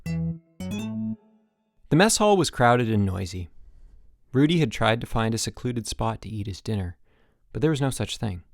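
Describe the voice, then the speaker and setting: Man, audiobook narrator, expressive scripted storytelling, animated intonation, dry close sound. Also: on the low side, unhurried, gravelly, long pauses, no room sound, soft background music.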